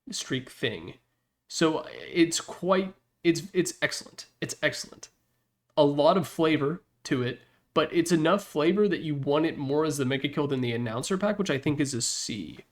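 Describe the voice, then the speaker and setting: A man giving casual, opinionated commentary as the host of a ranking, talking in a rambling, blunt, slangy way. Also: fairly high pitch. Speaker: host ranking video game announcer packs.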